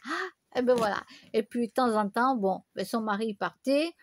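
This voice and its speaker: Rambling, high-voiced woman vlogger. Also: lively intonation, moderate pace, no echo. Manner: rambling, chatty storytelling with many fillers and restarts. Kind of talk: casual chat to camera.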